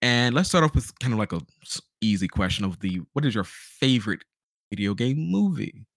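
A man with a fairly low voice hosts a casual podcast. He talks informally and slangily, dropping in imagined quotes. The sound is dry and close. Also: sing-song, a little fast, creaky, no room sound. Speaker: podcast host. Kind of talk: casual chat.

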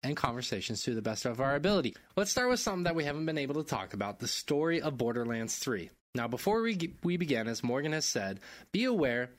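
A man hosting a casual gaming podcast, upbeat and prone to laughing at his own slips. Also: mid-range voice. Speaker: podcast host.

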